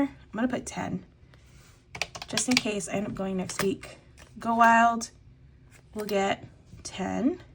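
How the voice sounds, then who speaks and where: A young woman budgeting out loud in a relaxed vlog voice-over, chatty and full of fillers, a little congested from a lingering cough. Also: medium pitch, a little hiss or hum. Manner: chatty, thinks aloud with many fillers. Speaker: budgeting vlogger. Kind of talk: casual voice-over while cash stuffing.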